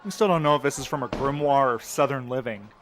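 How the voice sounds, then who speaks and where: A man's voice: mid-range voice, fast, a bit bright, a little hiss or hum, lightly acted. An actor playing an earnest, cautious, level-headed young man in a conversational audio drama. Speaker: actor in a fiction podcast.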